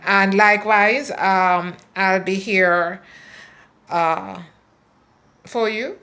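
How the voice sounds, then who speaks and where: A woman's voice: mid-range voice, steady tone, very slow, pushed and bright. A woman hosting a casual interview, chatty and eager, often laughing and urging her guest on. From Jamaica. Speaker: vlog host.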